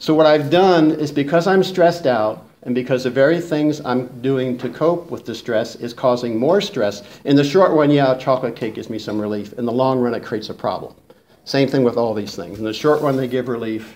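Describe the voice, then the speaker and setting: Speaking at a fairly quick pace, a man with a medium pitch shows ordinary pitch variation. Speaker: licensed counselor. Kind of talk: live lecture / presentation. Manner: unscripted, conversational teaching style.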